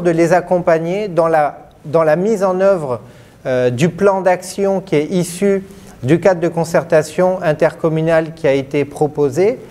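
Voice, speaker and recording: Higher-pitched man, formal and mellow. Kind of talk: formal interview statement.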